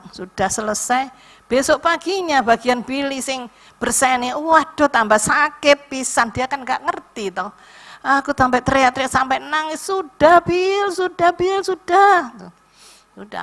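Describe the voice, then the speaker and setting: An older woman with an East Javanese accent, giving a lively casual testimony at a church prayer visit. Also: a little high. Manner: lively storytelling, acts out voices.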